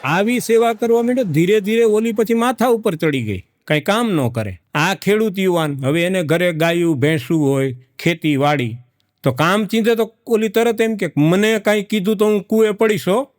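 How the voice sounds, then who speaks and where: High-voiced folksy storyteller man. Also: lively intonation, dry recording, studio quality. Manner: folksy, acts out village characters, drawn-out repetition. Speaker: comedic storyteller. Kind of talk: folk joke storytelling to a live audience.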